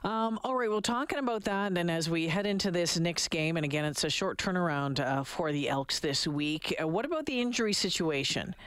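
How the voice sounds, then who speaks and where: A woman's voice: lowish voice, lively intonation, a little fast, few pauses, fairly bright tone, clear, resonant tone, no room sound. A woman hosting an afternoon radio show, chatting casually and informally as she interviews.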